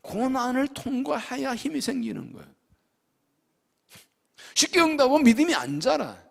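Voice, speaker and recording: A man preaching a sermon as pastor, with sudden loud rises and soft drops, acting out pleading prayers. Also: very high voice, sing-song, moderate pace, creaky. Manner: acts out prayers and quotes in a pleading voice. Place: church sanctuary. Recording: long reverb of a church hall.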